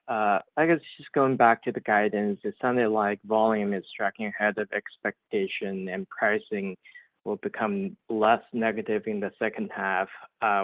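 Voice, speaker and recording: A man's voice: fairly low pitch, no echo. A man calling in as a financial analyst, asking brief questions in a casual, matter-of-fact way. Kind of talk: brief earnings call questions. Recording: narrowband phone line.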